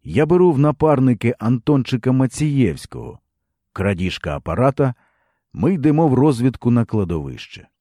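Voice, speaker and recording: A man narrating an audiobook in a lively storytelling manner. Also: medium pitch, moderate pace, no room sound, clean studio sound.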